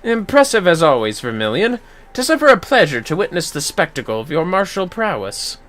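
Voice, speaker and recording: A man voicing a courteous, eloquent warrior-mentor from a fantasy game, measured and grand in archaic phrases. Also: on the high side, very animated, a bit bright, voice pushed down. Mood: admiring.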